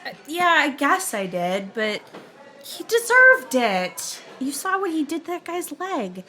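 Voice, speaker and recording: Female tavern adventurer, acted by a woman: high voice, unhurried, offhand heroics, comic fantasy. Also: big pitch swings, bright, forceful tone, slight background noise, full character voice. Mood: nonchalant, proud. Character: tough yet casual female tavern adventurer. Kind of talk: amateur comic fantasy skit.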